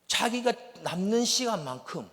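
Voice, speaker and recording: A man with a Gyeongsang accent preaching a sermon as a missionary, shifting from loud bursts to hushed whispers. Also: high voice, sing-song, normal speed. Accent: Gyeongsang Korean. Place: church sanctuary. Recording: long reverb of a church hall.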